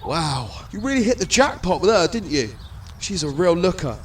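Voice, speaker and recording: A man's voice: sits high, very animated, moderate pace, slight background noise. A man playing a chummy, wry trained observer in an amateur audio drama, talking in a slangy, friendly way. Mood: wry, teasing.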